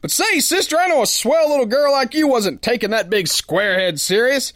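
A cocky sailor and prizefighter played by a man in a pulp radio drama. His high-pitched voice swings widely up and down as he boasts in folksy slang, dim but good-hearted. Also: animated, brisk, fairly bright tone, dry recording, studio quality. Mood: cocky bragging. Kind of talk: first-person pulp radio drama narration and dialogue.

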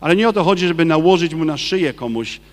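A man, a Catholic priest, giving a lively sermon and firing rhetorical questions at his listeners. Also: on the high side, quick pace, big-room sound. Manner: acts out quoted people in his talk.

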